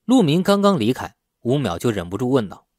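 A man's voice: mid-range voice, sing-song, brisk, a little mellow, no echo, clean studio sound. A man narrating a novel as a scripted, dramatic audiobook.

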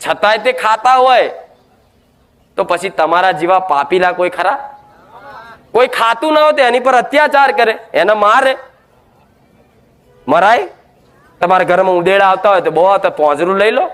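A man's voice: high-pitched, fairly bright tone. A man preaching a devotional sermon at a goddess shrine, scolding his listeners and throwing rhetorical questions at them.

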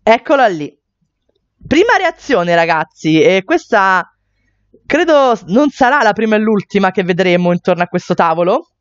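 A woman's voice: mid-range voice, very animated, moderate pace, no room sound, lo-fi sound. Chatty woman narrating a life-sim game. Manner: chatty asides to viewers, many fillers. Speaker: let's play host. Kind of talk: game commentary.

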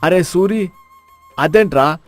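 A man voicing an aggrieved village farmer in an animated moral story, talking in a complaining way. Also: high-pitched, slow, soft background music. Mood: resentful.

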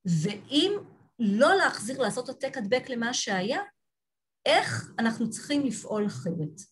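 A woman giving an online lecture from slides on a video call, talking thoughtfully with frequent restarts and pauses. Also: a little high, big pitch swings, a little hiss or hum. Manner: thoughtful, halting, many restarts.

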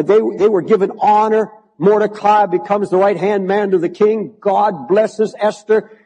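A man's voice: high-pitched, dark tone, breathy edge, in a large hall, rough recording. An older man preaching a sermon to his congregation in a large church, building to fervent, emphatic repetition. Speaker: pastor.

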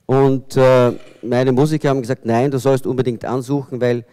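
A man in his fifties from Belgium speaking in a measured way as a panelist, into a handheld microphone in a hall. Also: medium pitch, level tone, warm tone, smooth. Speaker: panelist, theatre artist. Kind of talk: measured panel discussion remarks. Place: stage in a hall before an audience. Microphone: handheld microphone close to mouth. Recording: long hall reverb from stage PA.

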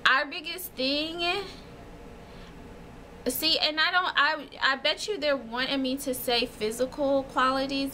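A woman's voice: on the high side, bright, forceful tone, a little hiss or hum. A woman in her thirties chatting casually to camera at home, giggling and rambling through a list of personal questions. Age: 30s. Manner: chatty, giggly, lots of fillers. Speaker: vlogger. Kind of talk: casual chat answering tag questions. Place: small home room with shelves.

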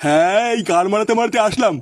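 A man's voice: high-pitched, fast, close to an everyday voice. A man voicing a foul-mouthed, hot-tempered husband in a comedy cartoon, complaining crudely. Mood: grumbling, irate.

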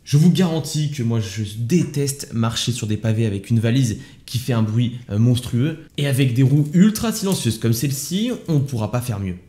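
A man's voice: medium pitch, animated, moderate pace, few pauses, dark tone, a little hiss or hum. A man hosting an upbeat, enthusiastic product unboxing review on his channel. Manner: enthusiastic, upbeat salesy delivery. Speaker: YouTube tech reviewer.

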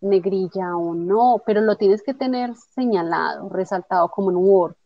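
A woman teaching a software tutorial step by step, patiently checking that her student follows along. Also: mid-range voice, moderate pace. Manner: patient, explanatory, checks understanding with tag questions. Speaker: instructor. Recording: dull lo-fi dry audio.

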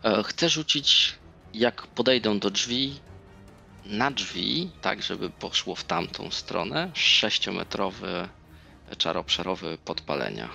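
A man talks casually as a player in a tabletop game. His voice is low and bright-edged with heavy fry, and he hesitates as he works out his moves. Music sits underneath. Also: expressive, takes it slowly. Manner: hesitant, thinking aloud. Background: background music.

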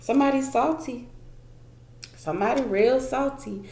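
A woman's voice: high voice, normal speed, darkish tone. A woman doing a casual tarot card reading, chatty and emphatic, repeating phrases and laughing often. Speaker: tarot reader. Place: indoor room at a wooden table. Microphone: camera pointed down at the table, speaker off frame. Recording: echoey room, faint noise.

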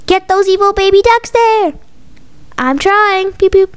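A very high-pitched young frog boy acted out by a woman from a comic storybook. He is excitable and whiny, talking in indignant slang like a game-obsessed slacker. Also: measured pace. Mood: excited, indignant.

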